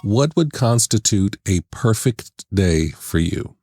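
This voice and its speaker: A man hosting a podcast, playful and chatty, laughing often as he runs a quick question round. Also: fairly low pitch, animated, music in the background. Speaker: podcast host. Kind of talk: casual interview chat. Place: podcast studio.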